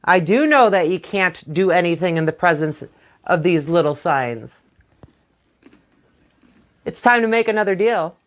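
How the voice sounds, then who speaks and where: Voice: mid-range voice, animated, a little slow, pauses often, fairly bright tone, lo-fi sound. A storyteller voicing Stingy Jack, a crafty, stingy trickster man who talks in a sly, wheedling way, in a told folktale. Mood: scheming. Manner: wheedling, sly, feigning innocence. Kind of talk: oral folktale telling.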